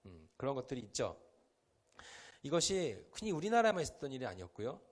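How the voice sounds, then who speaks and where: A man's voice: medium pitch, sing-song, fast. A young male pastor from Chungcheong, South Korea, giving a conversational sermon to a youth group in a church hall and quizzing the listeners with questions.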